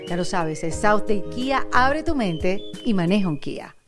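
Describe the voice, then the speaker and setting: A woman's voice: medium pitch, animated, unhurried. Podcast host: woman, Venezuelan accent, medium register, conversational delivery, light music underneath. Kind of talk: conversational interview and sponsor read.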